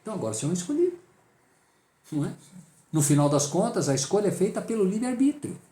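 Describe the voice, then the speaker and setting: A man's voice: high voice, sing-song, fast, warm tone, echoey room. A man with a Brazilian accent leading a Bible study, emphatic and full of rhetorical questions he answers himself.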